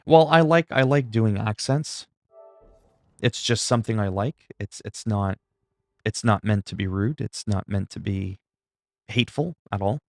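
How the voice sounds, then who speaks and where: A man from Canada, a native French speaker, rambles through a casual livestream. His voice sits low with a gravelly creak. He is self-deprecating and salty, and swears freely. The sound is close and dry. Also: measured pace, no echo.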